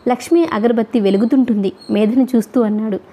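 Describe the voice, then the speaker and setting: A woman narrating a novel as an audiobook reader, in a steady, even storytelling manner. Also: on the high side, quick pace.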